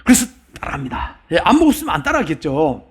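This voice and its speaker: A man's voice: on the high side, wildly swooping pitch, fast, slightly rough. A male pastor preaching a sermon with emphasis, repeating phrases and asking the congregation questions.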